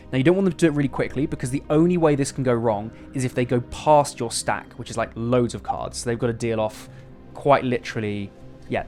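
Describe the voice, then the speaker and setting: A man's voice: mid-range voice, darkish tone. A man presenting a casual step-by-step card magic tutorial in instructive, conversational magician patter.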